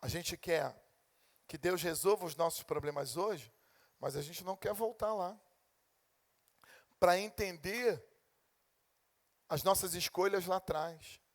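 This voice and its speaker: A man's voice: high voice, unhurried, pauses often. A man preaching a sermon as a pastor with a Brazilian Portuguese accent, acting out God and his congregation in turn. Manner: animated preaching, acting out God and complaining believers.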